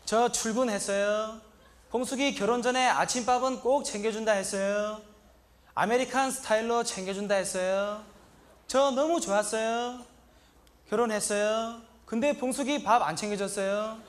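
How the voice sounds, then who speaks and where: A naive, earnest young migrant worker, played by a man with a Sri Lankan accent and a strikingly high voice. He talks in short, broken sentences in a comedy monologue and breaks into a shouted, indignant catchphrase. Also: normal speed, natural voice. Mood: plaintive. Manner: broken, simple Korean sentences.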